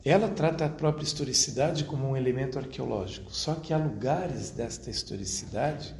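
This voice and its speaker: A man giving an academic lecture to an audience at a university, speaking in a measured, rhetorical way and addressing his listeners directly. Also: mid-range voice, darkish tone. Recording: roomy echo, faint background noise.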